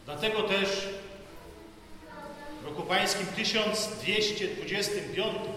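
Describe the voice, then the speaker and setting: A man preaching a sermon in a slow, solemn way, pausing between phrases, as a priest speaking to the faithful. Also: high voice, bright, forceful tone. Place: large church. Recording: echoey church hall.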